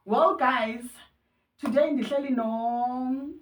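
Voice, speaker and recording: A woman's voice: high voice, fairly even intonation, takes it slowly, distant mic. A woman hosting a casual interview, asking short conversational questions. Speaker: interview host.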